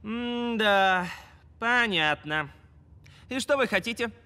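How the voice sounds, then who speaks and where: A man's voice: sits high, lively intonation, slow, bright, forceful tone, a little hiss or hum, full character voice. A man voicing an earnest, anxious schoolboy in a cartoon, with a hesitant manner. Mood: puzzled. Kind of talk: animated cartoon acting.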